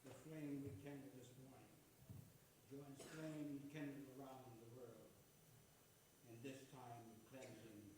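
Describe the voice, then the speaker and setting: A man quietly reciting a short liturgy while lighting a chalice at a worship service. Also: medium pitch, steady tone, takes it slowly, background noise. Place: large church sanctuary. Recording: distant, very echoey hall with a crowd.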